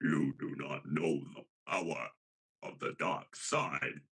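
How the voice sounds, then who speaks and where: This man uses a put-on character voice that is raspy and very deep and low. He speaks at a fairly slow pace. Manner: menacing, hardcore.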